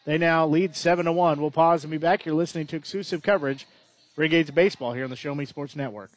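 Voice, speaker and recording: Talking fast in a slightly high voice with a steady tone, a man provides play-by-play baseball commentary. He stays chatty and keeps correcting himself as he goes.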